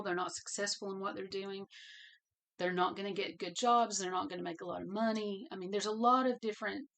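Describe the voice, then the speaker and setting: A woman hosts a podcast on her own, and her voice is hoarse and fading. She speaks earnestly and circles back to repeat her main points. A cough or a cleared throat breaks in from time to time. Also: medium pitch, a bit bright. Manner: earnest, repeats phrases for emphasis. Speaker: podcast host. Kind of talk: solo podcast commentary.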